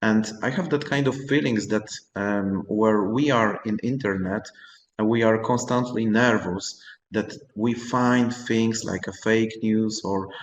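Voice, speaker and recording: A man in a Polish accent, medium in pitch, at a fairly slow pace with fairly even intonation. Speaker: teacher and presenter. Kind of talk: webinar presentation. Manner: halting.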